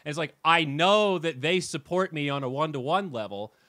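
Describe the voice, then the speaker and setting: A man hosting a podcast in casual chat, telling animated stories with swearing and restarts. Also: on the high side, normal speed, no echo, clean studio sound. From United States. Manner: animated storyteller who swears and restarts sentences. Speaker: podcast host and esports commentator.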